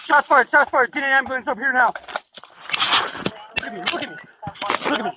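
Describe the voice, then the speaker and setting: A police officer shouting urgent commands outdoors at night, heard through his own police body cam audio. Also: very high voice, brisk, noisy background. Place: dark alley outdoors at night. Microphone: body-worn police camera.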